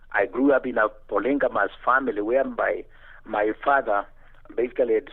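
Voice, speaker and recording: A man speaks at a moderate pace with a Kenyan accent. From Kenya, Kamba community of Kangundo. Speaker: motivational speaker. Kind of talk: interview.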